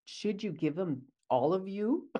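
A woman's voice: mid-range voice, lively intonation, takes it slowly, dark tone, dull audio. A woman co-hosting a casual podcast, chatty and acting out bits of client talk. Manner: chatty, acts out client dialogue. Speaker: podcast co-host, esthetician.

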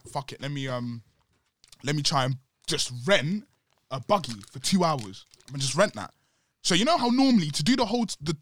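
A man's voice: fairly high pitch, fairly bright tone, dry recording. A young man with a London accent, chatting casually in roadman slang. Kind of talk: casual chat.

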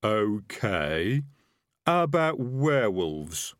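A storybook highwayman, put on by a man, wary and a bit slow-witted. He talks in a plodding, matter-of-fact, colloquial manner. His intonation rises and falls freely in a dry, close recording. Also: big pitch swings, dry recording, exaggerated voice. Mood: wary, methodical. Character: chatty, wary, slightly dim masked male highwayman.

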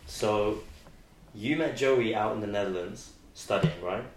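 A man's voice: on the low side, unhurried. A man, hosting a podcast in casual, rambling chat with many restarts. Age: 20s. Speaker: podcast host. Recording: roomy sound with faint noise.

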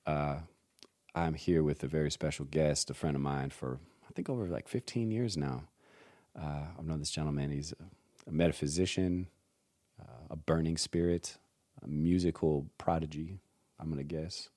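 A man around forty hosting a casual podcast chat, laid-back and quick to laugh. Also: a bass voice, fairly even intonation, darkish tone, no room sound, clean studio sound. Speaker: podcast host.

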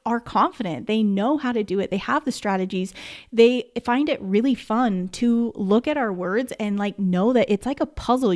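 A woman's voice: a little high, a little mellow. A woman who teaches first grade, talking casually and emphatically in a podcast monologue, with lots of "like". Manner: emphatic and chatty, says "like" often.

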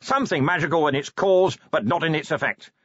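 A man's voice: on the high side, a little fast, fairly bright tone, slightly rough, no room sound, lo-fi sound, pitched above the performer's own voice. A man voicing a weary, blunt male police commander who talks tersely and urgently in an audiobook.

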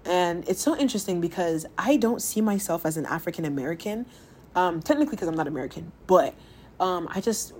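A woman in her twenties, originally from Ghana, hosts her own podcast and talks about her life in a relaxed, personal way. Her voice sits a little low. She tells stories with energy and raises her pitch when she quotes other people. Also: a little hiss or hum. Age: 20s. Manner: animated storytelling, laughs often, voices others' lines in higher pitch. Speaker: podcast host. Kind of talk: casual personal monologue.

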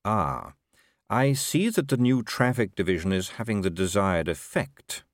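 A man voicing an unruffled, quietly ironic city ruler in a story, careful, measured and understated. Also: lowish voice, sing-song, dry recording, studio quality. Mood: dry, deliberate.

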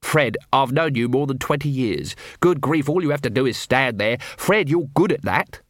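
A man's voice: mid-range voice, lively intonation, moderate pace, no room sound, close to an everyday voice. Man playing a dry, weary watch captain. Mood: dry, puzzled.

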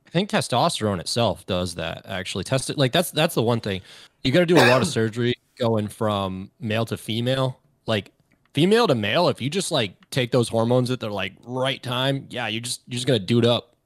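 A man's voice: mid-range voice, lively intonation, brisk, dry recording. A young man in casual chat, rambling with lots of fillers and frequent swearing.

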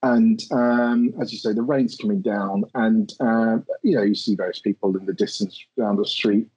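A man's voice: fairly low pitch, fairly even intonation, moderate pace, darkish tone, slightly rough, lo-fi sound. A man running a tabletop game as game master, hesitant and full of ums as he sets the scene. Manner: hesitant, many ums and uhs.

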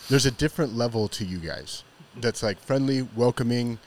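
A man's voice: medium pitch, expressive, normal speed, slight background noise. A man hosting a podcast on location, chatting casually in a rambling, jokey, informal way. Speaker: podcast host. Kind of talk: casual chat. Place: on location at an eatery.

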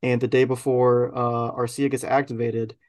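Man, podcast host, casual sports talk, mid pitch, relaxed rambling delivery. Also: moderate pace. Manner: relaxed, rambling with many fillers.

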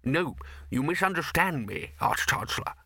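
A man's voice: mid-range voice, big pitch swings, a little slow, bright, forceful tone, no room sound. A man voicing a nervous, deferential bursar in a comic fantasy storybook, hesitant and stammering with strained politeness. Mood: smoothly placating. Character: nervous, placating, deferential male university bursar at a wizards' college.

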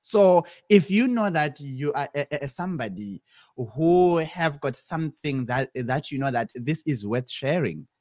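A man's voice: a little high, expressive, measured pace, darkish tone, no echo. A man in his twenties from Zimbabwe, a guest in an interview, talking casually with many restarts and repeated words. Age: 20s. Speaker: podcast guest, business founder.

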